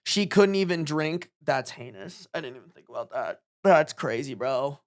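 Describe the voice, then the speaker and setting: Animated, slangy livestreamer in their twenties. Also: medium pitch, moderate pace. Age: 20s. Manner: slangy, swearing, emphatic. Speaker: livestream host. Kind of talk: casual reaction stream chat.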